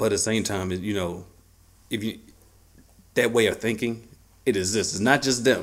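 On a very clean recording with a silent background, a man talks at a moderate pace in a fairly low pitch with fairly even intonation. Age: 30s. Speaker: podcast co-host. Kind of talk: casual political discussion.

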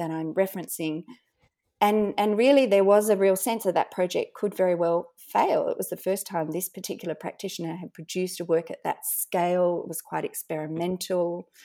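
In a very clean recording with a silent background, a woman talks at a fairly quick pace in an Australian accent. Her medium-pitched voice has a dark, mellow tone and fairly even intonation. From Western Australia (Perth). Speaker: architecture curator and author. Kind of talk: interview conversation. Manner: hesitant, many fillers.

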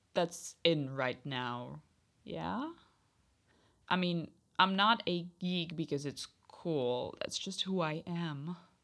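Speaking with a Czech accent, a woman uses a fairly low pitch and ordinary pitch variation. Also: very clean recording, silent background. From Czech Republic. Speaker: podcast host, Quidditch player and D and D player. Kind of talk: casual, jokey solo podcast monologue. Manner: self-deprecating, jokey, rambling.

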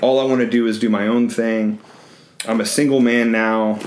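A man with an American accent speaks at medium pitch in a monotone, flat intonation, with audible room echo. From Ohio, US Midwest. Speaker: newspaper editor and author. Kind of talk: interview testimony. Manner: halting, many fillers.

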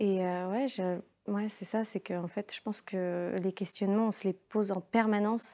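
A woman speaks at a medium pitch and a fairly slow pace, with a monotone, flat intonation. The recording is very clean, with a silent background. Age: 20s. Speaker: actress. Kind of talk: casual chat.

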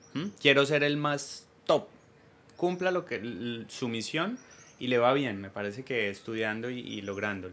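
This man has an unremarkable speaking voice and a medium pitch. He talks at a fairly slow pace with lively intonation. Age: 30s. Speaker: baker and business owner. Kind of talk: interview.

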